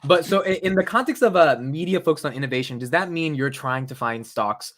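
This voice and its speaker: A man's voice: a little high, fairly quick, fairly bright tone. A man hosting a podcast, eagerly firing questions at his guest in casual chat. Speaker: host.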